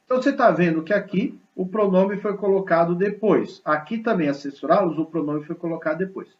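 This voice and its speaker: A man teaches a grammar lesson, keeping his students engaged with a lively, explanatory style. His voice sits high for a man. The recording sounds a little muffled and lo-fi. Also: brisk. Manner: lively, explanatory, asks students rhetorical questions. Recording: slightly dull lo-fi recording.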